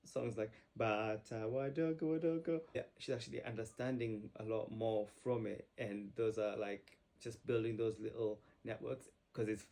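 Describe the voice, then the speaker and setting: A man co-hosting a casual chat with his wife, mostly agreeing briefly in a relaxed way. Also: on the low side, moderate pace, gravelly, hardly any pauses. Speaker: co-host, husband.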